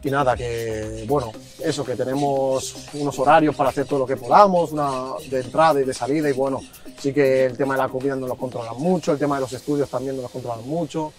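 A man's voice: mid-range voice, steady tone, fast talker, soft background music. Hesitant teenage guy from Colombia. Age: late teens. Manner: hesitant, many restarts and fillers, soft-spoken. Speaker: youth footballer guest. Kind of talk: casual interview answers. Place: park bench outdoors among greenery.

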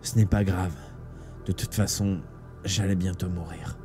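A man voicing a wounded, dying teenage boy in a live audiobook reading, speaking low and quietly through pain. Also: fairly even intonation, moderate pace, soft background music, natural voice. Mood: faint tender.

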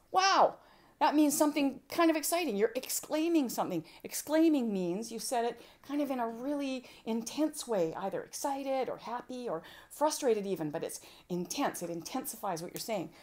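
A woman presenting an informal workshop on homeschooling, lively and fond of acting out little exchanges between a parent and a child. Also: medium pitch. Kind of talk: informal teaching talk to a group.

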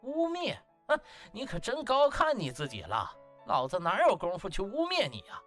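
A man's voice: high voice, huge pitch swings, normal speed, a bit bright, soft background music, pitched above the performer's own voice, exaggerated voice. A man voicing a cocky young hospital section chief who taunts with slick mock politeness and sly chuckles. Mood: scornful. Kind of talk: audiobook character acting.

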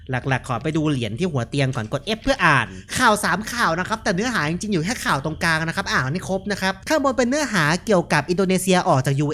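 Animated man chatting through a horror game. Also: on the high side, slight background noise. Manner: chatty, jokey, laughs often. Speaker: gaming streamer. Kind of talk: casual horror game commentary.

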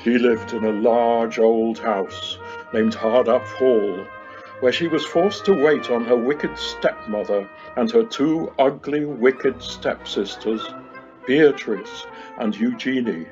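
A man's voice: mid-range voice, takes it slowly, over music. A man narrating a comic storybook pantomime from a script in a wry storytelling manner. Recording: slightly dull home video-call recording.

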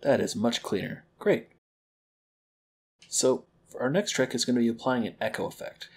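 Young man explaining software steps. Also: mid-range voice, expressive, normal speed, husky. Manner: friendly, explanatory. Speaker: library program host. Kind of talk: software tutorial. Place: home kitchen-living room, indoors.

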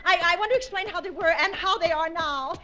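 An actress playing a frightened, guilt-ridden sister pleading in 1940s radio suspense style, with a breathless, quavering delivery. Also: female voice, very high-pitched, a little fast, sharp tone, highs cut off. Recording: noisy vintage radio recording.

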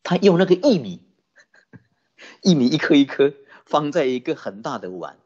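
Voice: medium pitch, big pitch swings, normal speed, darkish tone. A Buddhist teacher giving a sermon, telling a story with many rhetorical questions. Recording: dull lo-fi recording.

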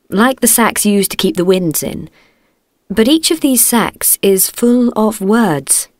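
A woman's voice: fairly low pitch, no echo. A woman reading scripted narration as a voice actor in a studio. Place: professional recording studio.

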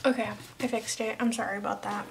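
A young woman, a planner vlogger, chatting casually as she narrates her week, now and then dropping into soft whispers. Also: on the high side, little pitch movement, fast talker, creaky. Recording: background noise.

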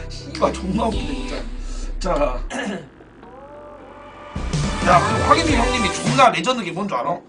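A man streaming a football game and chatting casually with viewers, excitable, with loud outbursts and frequent swearing. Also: sits high, measured pace, pauses often. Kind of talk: casual live-stream commentary. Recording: distant mic with game music behind.

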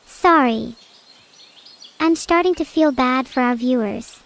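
Deadpan high-pitched AI girl voice. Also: slow. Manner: deadpan, matter-of-fact quips. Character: female AI vtuber, dry and teasing. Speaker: AI streamer co-host. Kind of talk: casual stream chat.

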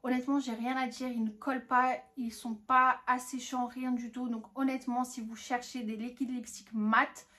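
A woman's voice: a little high, level tone, moderate pace, few pauses, a bit bright. A young woman reviewing used-up beauty products in a casual, frank chat. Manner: chatty, frank, lots of "honnêtement" and "franchement". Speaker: beauty vlogger.

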